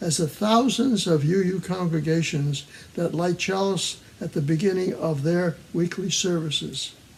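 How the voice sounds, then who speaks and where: A man's high voice at a fairly slow pace, over noticeable background noise. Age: 80s+. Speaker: church lay leader. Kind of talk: worship service chalice lighting. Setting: at home, online church service.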